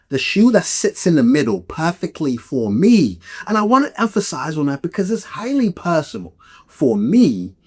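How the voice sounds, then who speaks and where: A man from Malawi talking casually and explanatorily as a podcast host, emphatic and often checking in with the listener. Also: mid-range voice. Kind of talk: casual explanatory talk to listeners about gear.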